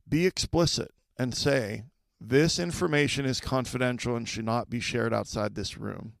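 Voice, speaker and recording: A man's voice: medium pitch, gravelly, dry recording. A middle-aged man hosting a podcast for school leaders, talking conversationally, repeating key points and checking in with listeners. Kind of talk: solo podcast advice talk.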